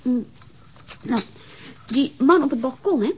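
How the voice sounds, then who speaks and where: A high, animated voice as a teenage daughter in a radio play. She is chatty and inquisitive, her intonation skipping up and down. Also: a little slow, slightly rough, full character voice. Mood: curious, animated. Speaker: radio drama actor. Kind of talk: naturalistic radio drama acting.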